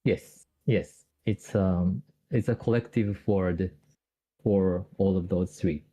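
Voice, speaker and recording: Man, Japanese accent, low voice, mellow tone, hesitant and halting, tutoring over a video call. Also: fairly even intonation, breathy edge. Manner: hesitant, many fillers and restarts. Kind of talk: casual explanation on a call.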